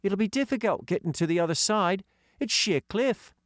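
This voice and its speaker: A man's voice: high-pitched, animated, moderate pace, no echo, clean studio sound, voice pushed up. A man voicing a practical, doubtful schoolgirl in an audiobook adventure story. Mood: concerned.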